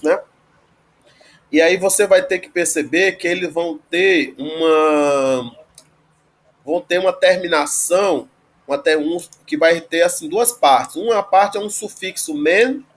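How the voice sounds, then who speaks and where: Male teacher, slightly higher voice, patient explanatory delivery, slows down to spell out word endings. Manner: explanatory, frequent "né?" tag questions, slow spelled-out word forms. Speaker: Greek teacher. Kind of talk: online grammar lesson.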